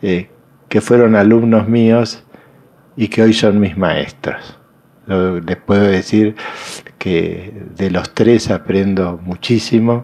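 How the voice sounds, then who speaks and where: With long, frequent pauses, a man speaks at a very slow pace in a fairly low pitch, using fairly even intonation and a dark, mellow tone. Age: 70s. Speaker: logotherapist and lecturer. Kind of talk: lecture. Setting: university conference hall with audience.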